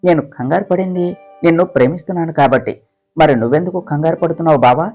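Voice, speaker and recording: A storyteller voicing a shy, loving young wife in an audiobook romance, speaking softly and pleadingly. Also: medium pitch, fast, soft background music, pitched below the performer's own voice, lightly acted.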